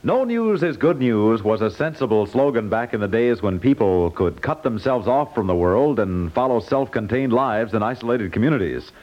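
Animated American announcer, vintage radio. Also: male voice, mid-range voice, moderate pace, few pauses. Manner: polished, formal. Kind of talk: 1950s radio announcing, scripted narration. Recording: muffled 1950s radio broadcast recording.

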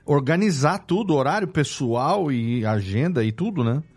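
A man's voice: a little high, animated, moderate pace, darkish tone, slightly rough. A man hosting a podcast interview, chiming in with agreements and summing up his guest's points. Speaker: podcast host. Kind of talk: casual interview chat.

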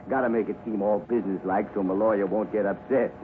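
An actor playing a smooth, self-satisfied rich colonel who talks in a hearty, chuckling, ingratiating way, in 1950s radio drama style. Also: male voice, fairly low pitch, fairly even intonation, moderate pace, lightly acted. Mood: jovial. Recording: narrow, hissy 1950s radio broadcast.

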